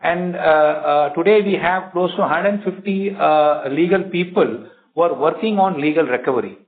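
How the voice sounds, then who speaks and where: High-voiced executive over a phone line. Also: male voice. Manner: halting, many uh fillers, explanatory. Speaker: company executive answering questions. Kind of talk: earnings call answers.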